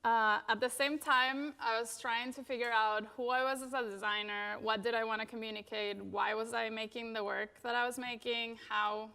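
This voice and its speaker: A woman's voice: fairly high pitch, fairly even intonation, moderate pace, vocal fry, hardly any pauses, sharp tone, clear, resonant tone. Chatty woman designer giving a talk. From Venezuela. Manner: casual, many fillers, frequent "you know" and "like". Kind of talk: conference talk.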